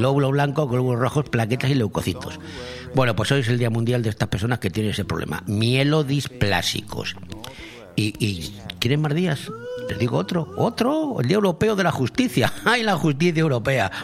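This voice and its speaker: Lively intonation marks a man's moderately paced speech, with noticeable noise behind him. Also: medium pitch for a man. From Spain, Madrid. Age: 60s. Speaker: radio host. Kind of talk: casual chat. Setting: studio. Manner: animated.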